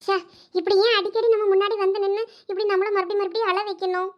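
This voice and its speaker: A woman playing a proud, tearful young wife; thin, very high voice, Thoothukudi Tamil accent. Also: little pitch movement, quick pace, muffled recording. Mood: sad. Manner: reproachful, insistent. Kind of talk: cartoon voice acting.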